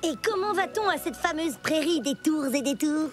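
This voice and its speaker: A woman voicing an eager, determined, adventurous girl in a French cartoon, brisk and confident. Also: high-pitched, expressive. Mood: curious. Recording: background music under the voice.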